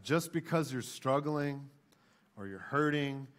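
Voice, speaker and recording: A man's voice: mid-range voice, expressive, takes it slowly. An American man in his forties preaching as a pastor in an emphatic way, repeating key phrases. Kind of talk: sermon. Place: church stage, indoors.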